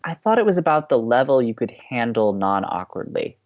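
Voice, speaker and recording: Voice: mid-range voice, very animated, moderate pace, narrow, tinny audio, natural voice. A performer playing an upbeat, chatty young college radio co-host in an audio drama, teasing and playful. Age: young adult.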